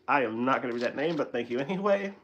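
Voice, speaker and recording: A man hosting a live stream in casual chat, animated and rambling, often correcting himself and laughing. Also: mid-range voice, fast, muffled recording, a little hiss or hum.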